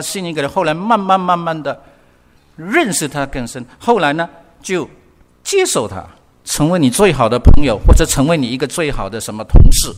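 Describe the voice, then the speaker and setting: A man's voice: fairly high pitch, long reverb tail, a little hiss or hum. An older man preaching a sermon, often asking the congregation questions and repeating words for emphasis. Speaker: pastor.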